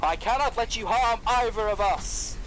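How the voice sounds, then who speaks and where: Mechanical man for fantasy audio play, male performer; high, formal, naively literal, recorded over some background noise. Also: normal speed, a bit bright, poor audio. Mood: matter-of-fact. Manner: stiff, formal, uncontracted phrasing. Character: literal-minded emotionless clockwork mechanical man, loyal. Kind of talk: audio drama acting.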